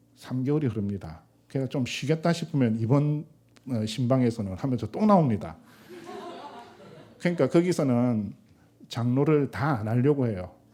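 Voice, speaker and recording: With lively intonation, a man at medium pitch talks at a moderate pace, leaving long, frequent pauses. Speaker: professor, seminar speaker. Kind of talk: lecture. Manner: halting.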